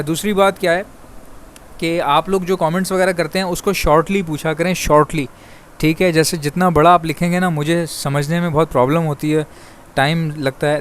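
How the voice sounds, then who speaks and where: Male bird-breeding vlogger from Pakistan, rapid and talkative, slightly high voice, faint ambient hiss. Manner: rapid, chatty, addresses viewers as brother. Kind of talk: fast casual monologue to viewers.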